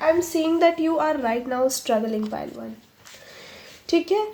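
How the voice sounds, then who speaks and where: A woman talks with a high pitch and ordinary pitch variation. Noticeable background noise is present. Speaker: tarot reader. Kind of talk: tarot reading to camera. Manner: casual, code-switching Hindi-English.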